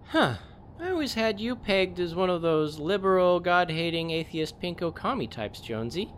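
An actor playing a skeptical friend who teases in a wry way. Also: male voice, mid-range voice, big pitch swings, a little slow, fairly bright tone, slight background noise. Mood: teasing. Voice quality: teasing, wry.

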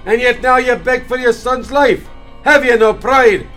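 A man's voice: very high voice, unhurried, a bit bright, faint music behind. An actor playing a proud, menacing old king, commanding and sneering in an audio drama. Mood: scornful. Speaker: villain.

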